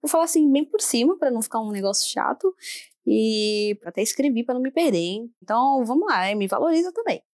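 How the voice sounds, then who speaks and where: A woman's voice: on the high side, dark tone, no room sound, studio quality. A young woman hosting a casual solo podcast, chatty and self-mocking, swearing now and then. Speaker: podcast host.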